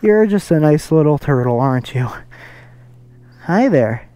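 A motovlogger rambles in a relaxed way while riding a motorcycle on an outdoor road, his casual chat full of fillers. His voice is mid-range and his pace measured, with no echo. A helmet-mounted microphone records him, and road and engine noise can be heard behind.

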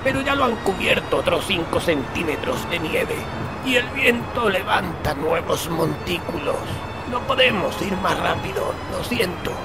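An actor playing a cautious, stubborn small-town local man in an audio drama, firm and deliberate as he speaks. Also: high-pitched, expressive, over loud music. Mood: matter-of-fact.

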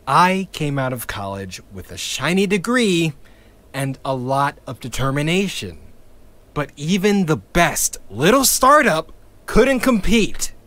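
Audio drama: male actor as a jaded young organizer, sardonic and profane, slow and unhurried, voice a bit high. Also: big pitch swings, bright, forceful tone, heavily acted. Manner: bitter, sardonic, swearing, wry laughs between lines. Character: bitter young male activist confessing to a recorder.

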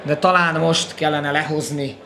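A man commentates live on sport in an excited, exclamatory way. His voice sits high and has a gravelly creak to it. Clear hall noise surrounds him. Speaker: futsal match commentator.

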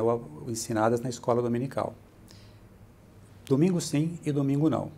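Brief: middle-aged Brazilian churchman, gravelly and husky, steady explainer, seated with a lapel mic in a bright room. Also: mid-range voice. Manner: steady, explanatory, adds "né" often. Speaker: church bishop, interview guest. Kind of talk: explanatory interview answers. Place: bright furnished room, indoors.

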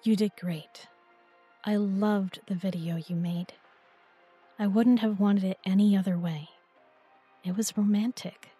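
A woman's voice: medium pitch, fairly even intonation, a little slow, pauses often, warm tone, breathy edge, soft background music. A young woman playing an affectionate, teasing new girlfriend in an intimate roleplay audio, with a playful, tender, coaxing manner. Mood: reassuring, affectionate.

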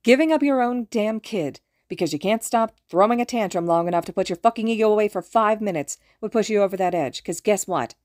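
A woman's voice: mid-range voice, moderate pace, hardly any pauses, dry recording, studio quality, voice pushed up, lightly acted. Woman acting out a fierce, seething, foul-mouthed woman. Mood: furious, pleading. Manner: forceful, seething, snapping, emphatic.

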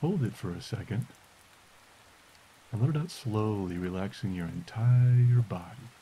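A man softly and slowly guiding a meditation as podcast host, in a soothing delivery. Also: lowish voice, expressive, highs cut off. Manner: soft, slow, soothing delivery. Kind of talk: guided meditation. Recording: hiss and rain noise. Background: rain.

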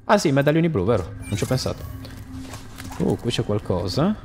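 A young man giving casual gameplay commentary, animated, swearing often and yelling at enemies, then muttering while he searches. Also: mid-range voice, brisk. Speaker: gaming channel host. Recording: game music behind the voice.

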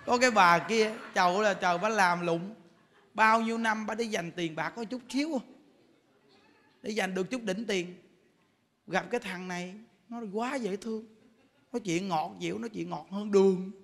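High bright-voiced monk. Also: male voice, normal speed, long pauses. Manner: humorous storytelling, laughs while talking. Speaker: Buddhist monk giving a Dharma talk. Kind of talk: sermon. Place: temple lecture hall. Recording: long hall reverb.

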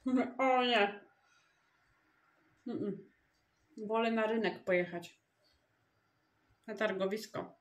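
A woman with a high voice talks in an unhurried, easygoing way, as if to friends. She thinks aloud while putting groceries away in her kitchen, with a chatty vlogger's manner. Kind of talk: casual chat to viewers. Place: home kitchen.

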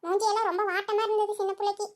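A woman's voice: extremely high pitch, level tone, rapid-fire. A woman voicing a nosy, insistent village gossip in a cartoon, talking breathlessly with chuckling asides. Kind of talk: cartoon voice acting.

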